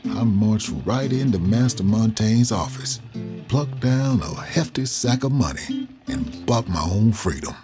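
An actor playing an old freed man from the South who tells his life story slowly and reflectively. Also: mid-range voice, expressive, over music, natural voice. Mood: reminiscing. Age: older. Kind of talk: audio drama narration.

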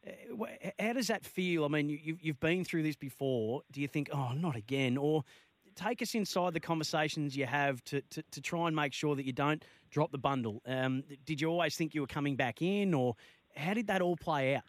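A man's voice: on the high side, brisk, no echo. An Australian man presenting a live talkback sports radio show as its host, close on a studio microphone.

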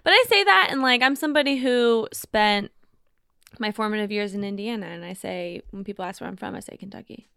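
Bright, gravelly-voiced woman podcaster. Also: medium pitch, a little fast, dry recording, clean studio sound. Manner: laughing, swearing, rambling. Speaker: podcast co-host. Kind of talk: casual chat. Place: home. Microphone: podcast mic.

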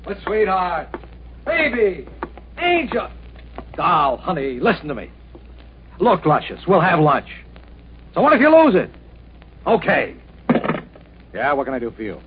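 An American actor playing a slick, pushy, wheedling Hollywood talent agent in a 1950s radio drama. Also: male voice, sits high, huge pitch swings, unhurried, pauses often, heavily acted. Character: slick, fast-talking, whining Hollywood talent agent man. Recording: muffled, noisy old radio broadcast.

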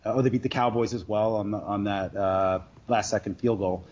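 Guy telling stories in an interview, rambly n halting, kinda muffled lofi audio. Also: fairly low pitch, steady tone, a little mellow. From Queens, New York. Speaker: sports bettor guest. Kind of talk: casual storytelling interview. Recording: dull lo-fi audio.

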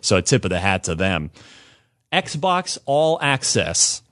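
Man, podcast host, low voice, dry close mic, casual chat, halting delivery. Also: no room sound. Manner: somber and halting, then lively and animated.

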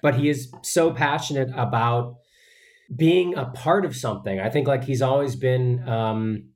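A man's voice: medium pitch, unhurried. A man, an actor, answering interview questions in an earnest, chatty way, with many fillers and restarts. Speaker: actor guest.

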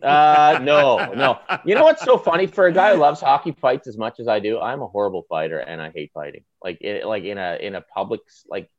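A man with a Maritime Canadian accent talks sports in an emphatic, down-to-earth way, firing off short, opinionated phrases. His voice sits at a middle pitch. The sound is dry and slightly muffled. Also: lively intonation, fairly quick, few pauses, no room sound. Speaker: author and podcast guest. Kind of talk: animated opinionated sports chat.

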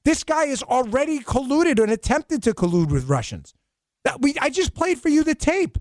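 A man's voice: very high-pitched, big pitch swings, moderate pace, darkish tone, dry recording, clean studio sound. A man from New York hosting a political talk show, mocking and sarcastic, with a faint New York accent. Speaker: host.

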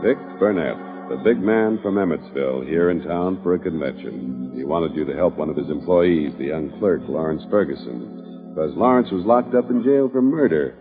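An American man announces in old-time radio style. His scripted delivery is lively, with wide pitch swings. The sound is narrow and tinny, with faint music. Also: normal speed, long reverb tail. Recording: thin, phone-like old radio broadcast.

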